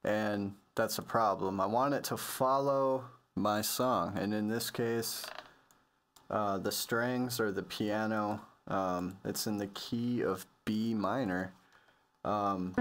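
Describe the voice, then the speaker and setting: Low-voiced man giving a casual tutorial. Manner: informal, slangy, loosely improvised explaining. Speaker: music production tutorial presenter. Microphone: computer voice-over on a microphone.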